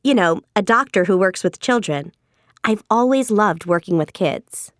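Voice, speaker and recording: A woman's voice: mid-range voice, lively intonation, normal speed, fairly bright tone, no room sound, studio quality, lightly acted. A woman playing a young pre-med student who speaks confidently about becoming a doctor.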